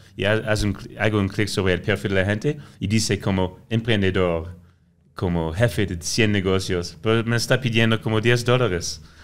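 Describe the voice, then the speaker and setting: Here a man with a fairly low pitch talks at a moderate pace, using ordinary pitch variation. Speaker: content creator. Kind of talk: casual interview chat. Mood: relaxed, friendly, smiling. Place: studio. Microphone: studio mic.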